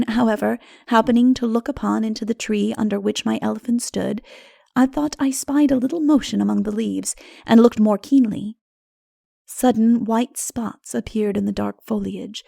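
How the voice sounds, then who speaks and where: Female audiobook narrator, heavy vocal fry, highish pitch, measured dramatic delivery, close dry sound. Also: fairly even intonation, mellow, no room sound. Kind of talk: dramatic literary narration of dark fantasy.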